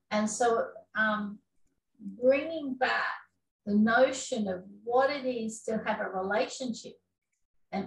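A woman's fairly high, somewhat breathy voice with an Australian accent, ordinary pitch variation, a fairly slow pace and audible room echo. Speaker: keynote speaker. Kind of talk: keynote lecture. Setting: online video conference. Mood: earnest, reflective. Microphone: video call.

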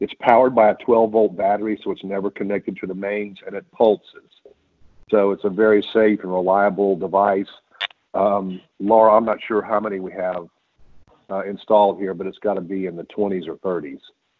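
Against a quiet background, a man speaks at a moderate pace in a fairly low pitch with monotone, flat intonation. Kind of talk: public meeting statement. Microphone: phone line.

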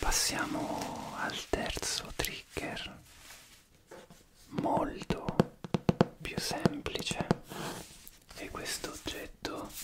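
Whispering and soft-spoken, a man talks at a very slow pace with long, frequent pauses amid loud background noise. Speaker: ASMR creator. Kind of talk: soft ASMR narration. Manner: soft close-mic Italian whisper. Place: home room. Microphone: studio mic.

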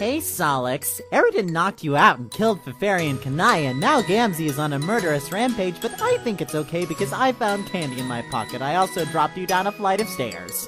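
Someone performs a put-on character voice at a middle pitch and a fairly quick pace. Music plays clearly in the background. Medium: dub. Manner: upbeat, cheerful.

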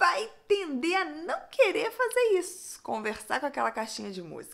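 A woman speaks in an animated tone at a fairly slow pace. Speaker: reporter, presenter and video coach; reporter, presenter, video coach. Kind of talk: tutorial. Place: home room.

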